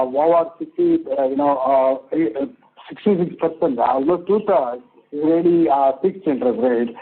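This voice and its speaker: Male Indian company executive, husky, halting and repetitive, unscripted answers over a narrow phone connection. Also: a little high. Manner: halting, repetitive, full of "you know". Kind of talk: unscripted earnings call answers. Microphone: conference phone call. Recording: muffled narrow phone line.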